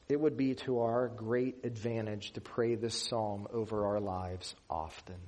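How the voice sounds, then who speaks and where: Slow, deliberate male preacher. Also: medium pitch, a little mellow. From Western Pennsylvania. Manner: earnest, emphatic preaching with slow deliberate pauses. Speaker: pastor. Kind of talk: sermon.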